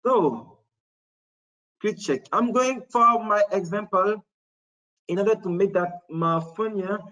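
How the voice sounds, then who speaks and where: A man's voice: high-pitched, bright, forceful tone, poor audio. A man presenting a webinar, walking viewers through a website step by step, with frequent restarts and fillers, speaking English as a second language. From Morocco. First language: not English. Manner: halting, many restarts and fillers. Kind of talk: screen-share demo talk.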